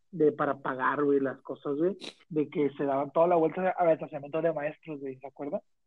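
A plain, everyday voice from a man, fairly high in pitch, with fairly even intonation and a moderate pace. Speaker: podcast co-host. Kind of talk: casual chat. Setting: recording on a phone. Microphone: phone mic, lower quality than usual.

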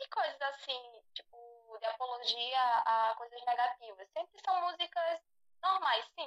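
With long, frequent pauses, the speech moves at a fairly slow pace with lively intonation in a dry, close sound with no echo. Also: woman, high pitch for a woman. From Brazil, interior of Pernambuco (Northeast). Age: 20s. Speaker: K-pop fan. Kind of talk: casual interview.

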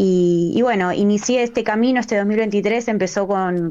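A woman with an unremarkable speaking voice, medium pitch, and ordinary pitch variation. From Argentina. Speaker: folk singer. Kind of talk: interview. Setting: remote call.

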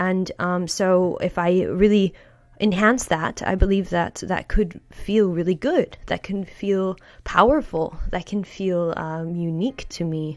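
Speaking fairly slowly with an American accent, a woman keeps a medium pitch and ordinary pitch variation on a very clean recording with a silent background. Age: 20s. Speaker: podcast host. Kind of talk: solo monologue podcast. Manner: halting with frequent fillers.

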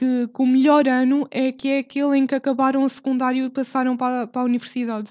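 A high-pitched woman with a European Portuguese accent, monotone and flat in intonation, at a moderate pace over a quiet background. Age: 20s. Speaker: podcast host. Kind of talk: casual monologue. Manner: informal, filler-heavy.

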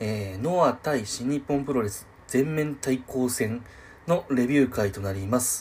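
A man speaks at a medium pitch in a somewhat breathy voice with ordinary pitch variation. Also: fairly slow pace. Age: 30s. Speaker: wrestling podcast host. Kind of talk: casual solo review podcast. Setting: internet cafe booth.

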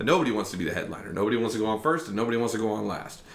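Speaking with an American accent, the man keeps his voice fairly low. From Ohio, US Midwest. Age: 30s. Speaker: rapper. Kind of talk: casual chat. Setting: studio.

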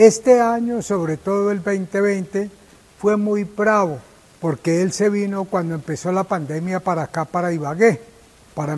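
Fairly slow speech from a man with a high pitch, against noticeable background noise. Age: 60s. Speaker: church member. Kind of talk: testimony.

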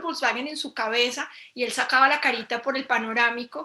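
A woman speaks with a high pitch, a bright, sharp tone and ordinary pitch variation. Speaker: podcast co-host, homeschooling mother. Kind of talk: casual chat.

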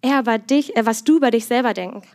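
A woman with a high pitch and an animated tone speaks at a moderate pace, her pitch varying in an ordinary way. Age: 20s. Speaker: student teacher giving a sermon. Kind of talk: sermon.

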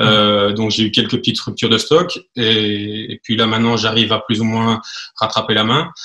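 A man speaks at a moderate pace in a medium pitch, his intonation fairly even and his tone bright and sharp. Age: 40s. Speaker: online seller. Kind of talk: interview. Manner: halting, many repetitions.

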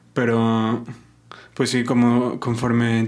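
The speaker is a man with a medium pitch. Room echo is audible. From Guadalajara and Michoacán, Mexico. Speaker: host's fiancé. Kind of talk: casual chat. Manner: quiet.

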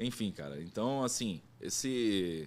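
The speaker is a man with fairly low pitch. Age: 30s. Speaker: bus driver. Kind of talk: casual chat.

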